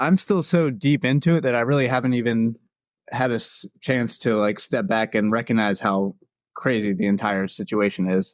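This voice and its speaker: In a very clean recording with a silent background, a man with an ordinary speaking voice and medium pitch talks at a moderate pace, his loudness very even and his intonation lively. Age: 30s. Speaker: guest with brain injury. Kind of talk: interview storytelling.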